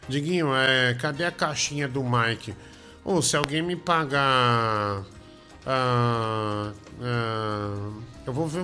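A man's voice: mid-range voice, bright, forceful tone. A man hosting a casual live show, joking and teasing. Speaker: host. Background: music playing.

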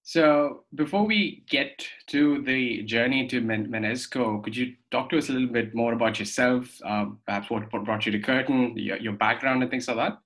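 A man's voice: mid-range voice, moderate pace, hardly any pauses, fairly bright tone, poor audio. A young man from Australia hosting a podcast interview, friendly and a bit hesitant, with fillers and restarts. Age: young adult. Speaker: podcast host. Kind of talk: conversational interview.

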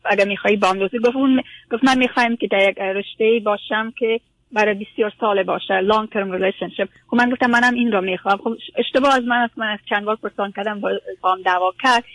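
A woman calls in to a radio advice show, her voice mid-pitched and dry. She talks haltingly, full of fillers, dropping in English words. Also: fairly even intonation, fairly bright tone, dry recording, rough recording. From Afghanistan. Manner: hesitant, many fillers, mixes in English words. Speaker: caller.

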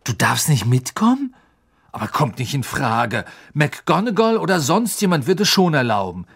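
A man voicing an impulsive teenage wizard who talks in an excitable, blunt way. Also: a little high, normal speed, vocal fry, husky, exaggerated voice. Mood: protesting.

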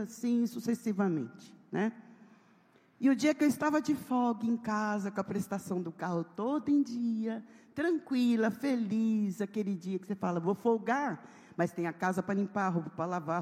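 A woman pastor, telling a testimony in a sermon and acting out the dialogue. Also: mid-range voice. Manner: animated storytelling, acting out dialogue. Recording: long hall reverb.

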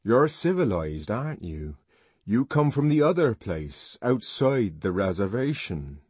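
A man voicing an intense, proud young man who declaims slowly with a voice trembling with emotion. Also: on the low side, sing-song, darkish tone, husky, no room sound, full character voice. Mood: eager.

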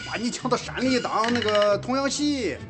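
A man's voice: extremely high pitch, lively intonation, moderate pace, over music. An actor playing a boastful, blustering male mountain bandit in a TV sitcom. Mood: weary. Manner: blustering, wheedling, then cowardly. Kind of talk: TV sitcom acting.

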